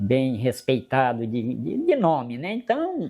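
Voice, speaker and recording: Over a quiet background, a man speaks at a medium pitch in a dark, mellow tone. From northern Goiás, Brazil. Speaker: longtime local resident. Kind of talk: oral history interview. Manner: halting.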